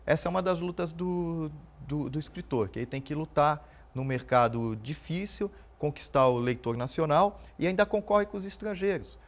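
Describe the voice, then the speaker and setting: Gravelly Brazilian police officer guest. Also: male voice, a little high, animated. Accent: Brazilian Portuguese. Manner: earnest, halting, repeats words while thinking. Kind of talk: TV interview answers.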